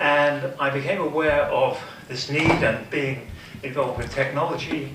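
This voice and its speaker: With an American accent, a man speaks at a fairly high pitch. Noticeable background noise and audible room echo surround his voice. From England. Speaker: conference speaker, systems consultant. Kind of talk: conference talk. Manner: halting, many fillers.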